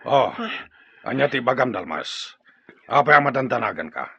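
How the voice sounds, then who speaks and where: An actor playing a stern, hot-tempered tribal chief and father in an Ilocano radio drama, with a raspy, forceful, commanding voice. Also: mid-range voice, big pitch swings, normal speed, no room sound, exaggerated voice. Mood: urgent, demanding. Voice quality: gravelly, raspy.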